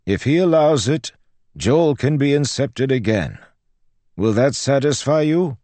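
Male narrator as an old male priest, crotchety, patronising, raised pitch, lively intonation, storybook character. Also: unhurried, no room sound, lightly acted. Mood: exasperated. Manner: patronising, exasperated.

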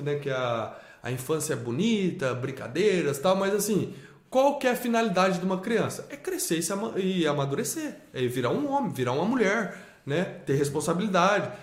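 High-voiced emphatic Brazilian man. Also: reverberant. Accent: Brazilian Portuguese. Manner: emphatic, repeats himself with many tag questions. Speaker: homeschooling father. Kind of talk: casual podcast conversation.

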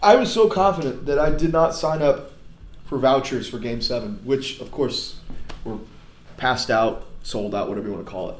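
A man whose voice is worn hoarse hosts a casual podcast, excitable and quick to shout. He sits in an echoey room with faint background hiss. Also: medium pitch. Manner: excitable, bursts into loud whoops. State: hoarse, lost voice. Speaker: podcast host.

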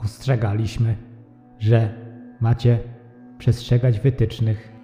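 A sentient yogurt overlord for an audio drama. It sounds very dark and slow, calmly imperious and coldly superior, with muffled sound and a long cavernous reverb. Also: male voice, fairly low pitch. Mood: stern warning. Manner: measured, formal, commanding. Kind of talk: audio drama character acting. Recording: muffled, long echoing reverb, faint music behind.

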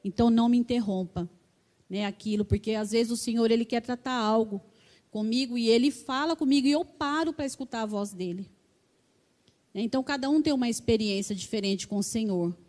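A woman's voice: on the high side, fairly quick, a little mellow. Fervent Brazilian woman preaching. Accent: Brazilian Portuguese. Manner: fervent, personal testimony with many "né" tags. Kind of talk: sermon.

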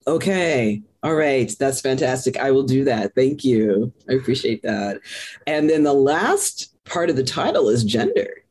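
A man in his fifties hosts a relaxed interview, his slightly husky voice swinging up and down as he cheers his guest on. He is effusive and encouraging and quick with praise. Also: mid-range voice. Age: 50s. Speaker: interview host. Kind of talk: casual interview chat.

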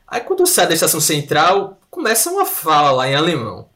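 A man spins casual anecdotes with animated energy. His voice sits slightly high for a man, and he laughs his way through the awkward bits. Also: brisk. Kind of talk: casual storytelling chat.

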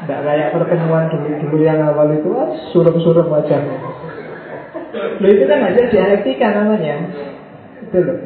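A man gives a casual philosophy lesson, teasing his listener and slowing down to stress key words. His voice sits a little high. The recording is tinny and phone-like, with heavy room echo. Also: crowd noise. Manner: casual, teasing explanations with slow emphatic stretches. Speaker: philosophy teacher.

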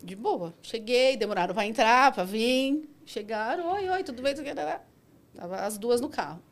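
A woman rideshare driver, telling comic stories from her job in animated, casual chat. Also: fairly high pitch. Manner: animated, quick, acts out dialogue in her stories. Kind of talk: casual comic storytelling on a podcast.

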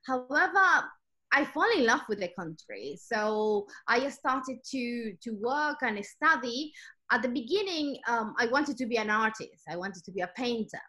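As an interview guest, a middle-aged woman from Ecuador answers reflectively, in a storytelling way, with the accent of her native Ecuadorian Spanish. Her slightly high voice sounds animated and sharp, and her pace is a little slow.

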